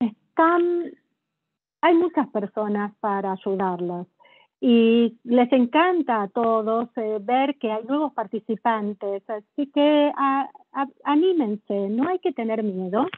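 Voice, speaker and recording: A woman speaks very slowly at a fairly high pitch with lively intonation. The sound is dry with no echo, over a quiet background. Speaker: program manager. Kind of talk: informational presentation. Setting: video call. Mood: warm, smiling, encouraging. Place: home room. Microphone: video call.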